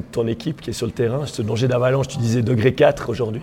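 Through noticeable background noise, a man talks at a very fast pace with fairly even intonation. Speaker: podcast host. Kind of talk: casual interview. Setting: on location, outdoors then indoors.

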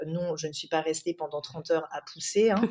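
A woman speaks with a fairly low pitch and a monotone, flat intonation. Noticeable background noise sits behind her. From France. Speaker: yoga teacher. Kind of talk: interview testimony.

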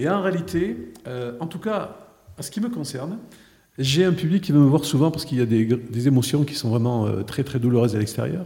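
In an unremarkable speaking voice, a man talks at a moderate pace. His fairly high pitch carries lively intonation. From southwest France, Tarbes. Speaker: hypnotherapist and stage hypnotist. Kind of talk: radio interview. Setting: radio studio.

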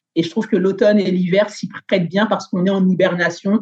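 Somewhat breathy and dark, mellow in tone, a woman of medium pitch speaks at a moderate pace. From France. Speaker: ethno-coach. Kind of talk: interview. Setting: podcast.

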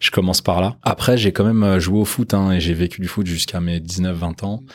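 With fairly even intonation and a very deep, low pitch, a man talks at a moderate pace. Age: 30s. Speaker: sales director, former footballer. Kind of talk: interview.

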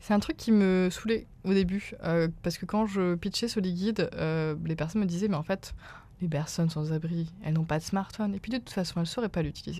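A somewhat breathy woman's voice with a dark, mellow tone and ordinary pitch variation. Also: medium pitch for a woman, fairly quick pace. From France, Vosges (Remiremont). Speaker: founder and director of a non-profit. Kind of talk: radio interview. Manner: animated.

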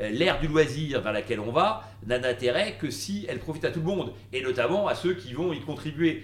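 Lively intonation over noticeable background noise. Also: man. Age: 50s. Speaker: entrepreneur. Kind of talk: interview.

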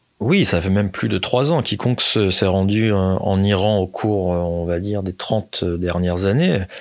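In a very deep, low voice, a man speaks fairly slowly. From France. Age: 30s. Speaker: journalist. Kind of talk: interview. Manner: hesitant, with fillers.

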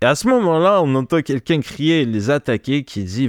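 Over a quiet background, a man with a fairly high pitch speaks at a moderate pace with lively intonation. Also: dry, close sound with no echo. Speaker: podcast co-host. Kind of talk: casual chat. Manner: laughs a lot.

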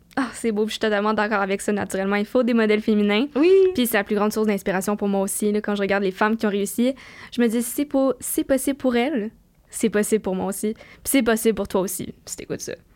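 Her pitch fairly high, a woman talks at a very fast pace. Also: ordinary pitch variation. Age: 20s. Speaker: podcast host. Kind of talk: interview.

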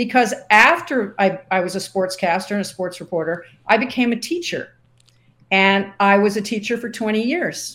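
On a very clean recording with a silent background, a woman with an ordinary speaking voice talks at a moderate pace, medium in pitch and lively in intonation. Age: 60s. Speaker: former sportscaster and sports official. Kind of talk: interview.

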